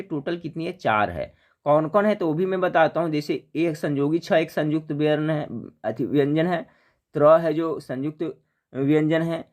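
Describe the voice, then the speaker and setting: A man runs through practice questions for an exam. He poses each question, pauses for a guess, then gives the answer. He keeps telling listeners to remember and calls them friends. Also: a little high. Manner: addresses viewers as friends, repeats "remember", asks then answers. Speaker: exam prep teacher. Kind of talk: quiz-style Hindi grammar lesson.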